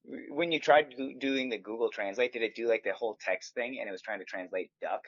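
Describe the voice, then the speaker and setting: A man's voice: medium pitch, quick pace, dry recording. Man, podcast host, easygoing, laughs a lot, dry, muffled lo-fi. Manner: easygoing, laughs often, short reactions. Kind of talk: casual podcast chat.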